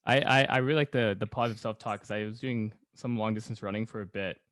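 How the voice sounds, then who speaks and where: A man's voice: fairly low pitch, steady tone, fast talker, fairly bright tone, no room sound, clean studio sound. A man hosting a casual podcast chat, inquisitive and rambling, often repeating his words as he goes. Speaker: podcast host.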